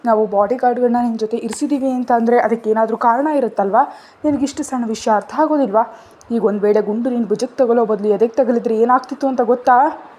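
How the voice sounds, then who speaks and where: A woman voicing a protective young man who scolds loudly, in a storybook reading with a mellow, husky voice. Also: on the high side, fairly quick. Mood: scolding. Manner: scolding, raised voice. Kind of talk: storybook narration.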